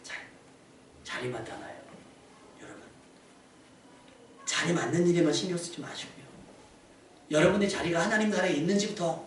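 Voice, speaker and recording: A man preaching a sermon as pastor, animated and acting out the people in his story. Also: fairly high pitch, moderate pace, long pauses, very echoey, distant mic, slight background noise. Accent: Korean. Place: church sanctuary.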